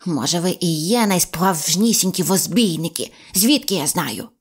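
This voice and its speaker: A woman's voice: lowish voice, animated, moderate pace, breathy edge. A woman voicing a stingy old rich man who lisps, swapping r for f, and whines and grumbles while haggling. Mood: grumbling. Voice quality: lisping, says f instead of r. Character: stingy rich old male shorty, whiny and stubborn.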